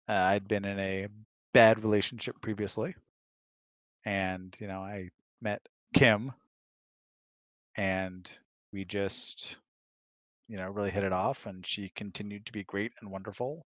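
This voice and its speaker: A man in his thirties chats casually, easygoing and ready to joke. His voice sits on the low side. The recording is dry, with little room sound. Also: dry recording. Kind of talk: casual chat. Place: indoors, close and dry online voice hangout.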